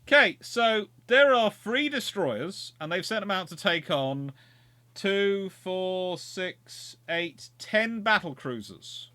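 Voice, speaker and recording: A game streamer and host from England with a Surrey accent chats and jokes casually while playing a naval strategy game live, thinking aloud and restarting his sentences. His voice is high-pitched, expressive, pushed and bright, and he takes it slowly, with no echo.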